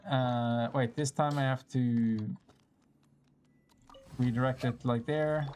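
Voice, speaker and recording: A woman's voice: very deep voice, fairly even intonation, takes it slowly, a little mellow. A woman giving casual commentary as she streams a game, thinking aloud with playful exasperation and plenty of swearing. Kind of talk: casual gameplay commentary, talking to self.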